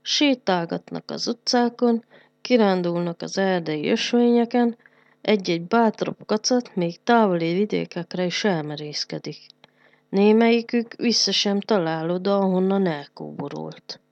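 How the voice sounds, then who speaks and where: A woman narrating a children's storybook in a lively, expressive reading voice. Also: mid-range voice, no room sound, muffled recording.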